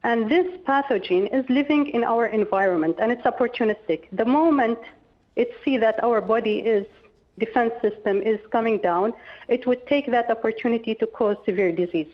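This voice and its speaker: A woman gives measured, reassuring medical explanations as an expert guest in a telephone interview. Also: fairly high pitch. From Oman. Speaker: infectious disease consultant, interviewed guest. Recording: dull, band-limited telephone line.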